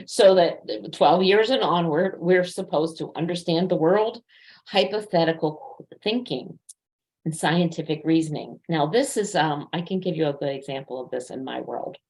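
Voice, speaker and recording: Low-pitched woman giving an informal talk. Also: a little mellow, rough recording. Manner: conversational, illustrates points with personal anecdotes. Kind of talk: informal educational presentation.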